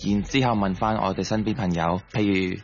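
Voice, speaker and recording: A low male voice with tells personal stories as a radio guest, mixing in English words. The sound is a little dull, with music playing behind him. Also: steady tone, a little fast. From Hong Kong. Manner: mixes English words into Cantonese. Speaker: interview guest, sports coach. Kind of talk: personal storytelling in a radio interview.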